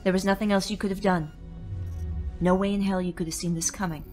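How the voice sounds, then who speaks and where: An actress plays a brisk woman in command, dry and sardonic. Her voice is medium-pitched, in audio-drama style, with music clearly behind it. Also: fairly even intonation, darkish tone, close to an everyday voice. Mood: wry, steadying. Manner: sardonic, no-nonsense. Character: brisk, wry woman director in charge.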